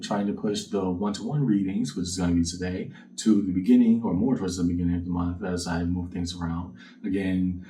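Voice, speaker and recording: Low, mellow male tarot reader, slightly distant. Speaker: tarot card reader and channel host. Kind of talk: casual tarot reading addressed to the viewer. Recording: distant mic with faint background noise.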